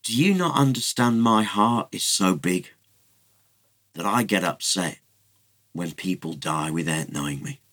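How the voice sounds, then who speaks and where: A man voicing a patient divine figure who questions gently and calmly. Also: low voice, unhurried, heavily acted. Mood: gentle.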